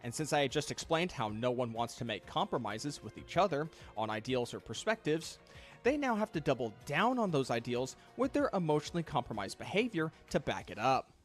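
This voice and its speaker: A man reading a scripted video essay, measured and reflective, critical in tone. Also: medium pitch, big pitch swings, faint music behind. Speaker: commentary channel host.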